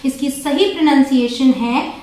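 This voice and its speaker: Woman English teacher, high voice, very echoey room, slow lesson, repeats each example. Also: mellow. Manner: spells out and repeats each example, often ending with "ठीक है". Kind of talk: slow, deliberate grammar lesson.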